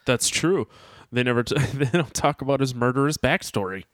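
A man's voice: mid-range voice, fairly quick, dry recording. A man co-hosting a casual movie podcast, chiming in with short crude wisecracks. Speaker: podcast co-host. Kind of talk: casual movie review chat.

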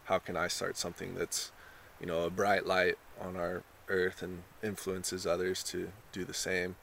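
Young male surfer type, easygoing and chatty; lowish, bright voice over light hiss. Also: monotone, normal speed, creaky. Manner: laid-back surfer talk, lots of "you know" and "like". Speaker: contestant being interviewed. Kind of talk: casual interview.

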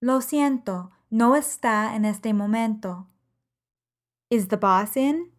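A woman teaching a language lesson podcast, reading example sentences in measured, carefully enunciated phrases. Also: a little high. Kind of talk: slow, clear podcast lesson.

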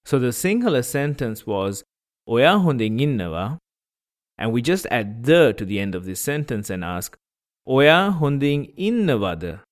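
A man's voice: mid-range voice, big pitch swings, measured pace. A man teaching a language lesson on a podcast, patiently repeating examples and breaking words into syllables.

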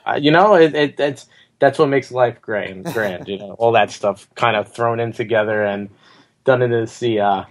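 A man, a podcast guest, talking loudly and with energy about a film, a little way off the mic. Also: medium pitch, moderate pace. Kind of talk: casual film discussion.

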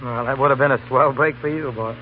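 An actor playing a casual, slangy, quick-tempered young college student in a 1930s radio comedy. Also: male voice, medium pitch, steady tone, close to an everyday voice. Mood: wry. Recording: tinny 1930s radio, music behind.

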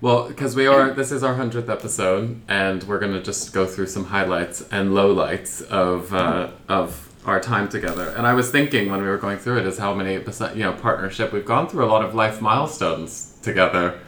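A man's voice: on the low side, normal speed, hardly any pauses, a bit bright. A man co-hosting a podcast in easygoing, agreeable casual chat. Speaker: podcast co-host. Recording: roomy echo, faint noise.

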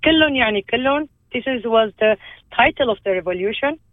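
Over a phone line, a woman guest in a conversational interview speaks in a fairly high, expressive voice on a dry recording. She is from Lebanon, Armenian is her first language, and she is earnest yet halting, frequently starting over.

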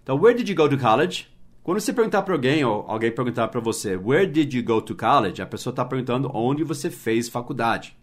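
A man's voice: medium pitch, animated. A man hosting a casual podcast lesson, patiently explaining and spelling words out letter by letter. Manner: slows down to model English phrases, adds tag questions. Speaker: English teacher and podcast host.

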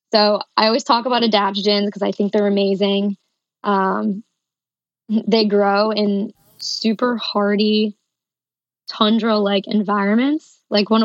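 A woman's voice: medium pitch, dry recording. Enthusiastic woman herbalist, dull dry sound. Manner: enthusiastic, explanatory, frequent ums. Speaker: herbalist and triathlon coach. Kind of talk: podcast interview answers.

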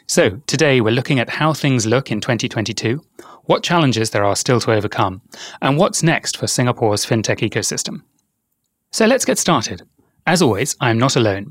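Guy hosting a fintech podcast, measured and polished, mid voice, dry close mic. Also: mid-range voice, no echo. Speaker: podcast host. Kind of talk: scripted intro then interview questions.

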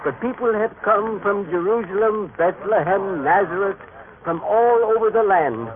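A man's voice: high voice, moderate pace, a crowd in the background, lightly acted. Radio drama local: male actor as a fervent eyewitness, solemn and emphatic, through narrow old-radio sound. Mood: earnest conviction. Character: devout townsman, believing male eyewitness. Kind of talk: vintage radio drama acting. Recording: tinny band-limited old radio recording.

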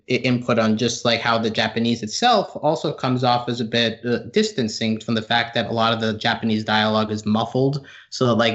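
A podcast co-host discussing a film casually, halting often with fillers and false starts. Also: medium pitch, fairly bright tone, lo-fi sound.

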